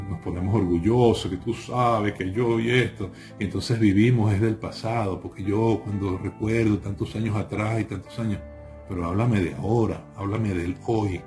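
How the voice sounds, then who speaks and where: A man teaching a sermon as a rabbi, emphatic and full of rhetorical questions, repeating key phrases. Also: lowish voice. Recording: faint music bed under voice. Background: soft instrumental worship music.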